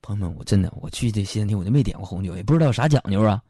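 Lively man telling comic stories. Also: lowish voice, very fast, slightly rough, no echo, studio quality. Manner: lively, theatrical, jokey, addresses listeners as friends. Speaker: radio comedy host. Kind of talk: comic storytelling monologue.

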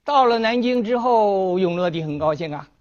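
Animated male history storyteller. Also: high voice, moderate pace, soft background music. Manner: animated, acts out dialogue. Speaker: history lecturer. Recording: dull lo-fi recording.

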